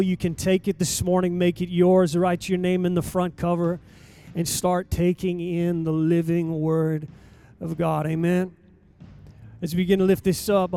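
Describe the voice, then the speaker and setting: A pastor preaching a sermon in a church, with emphatic delivery and dramatic pauses. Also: male voice, sits high, mellow. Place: church sanctuary.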